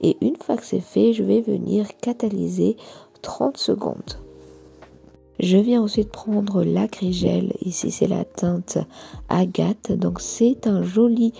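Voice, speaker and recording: A woman reviewing nail gels and narrating a nail tutorial, hesitant with many fillers and soft half-whispered asides. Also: mid-range voice, fairly even intonation, slow pace, vocal fry, breathy edge, faint music behind. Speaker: nail artist reviewing products. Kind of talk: product review and tutorial voice-over.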